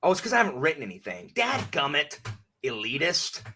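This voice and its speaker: A man's voice: medium pitch, wildly swooping pitch, fast talker, bright, forceful tone, a little hiss or hum. A man chatting casually as a guest on a live stream, rambling and self-deprecating with lots of restarts.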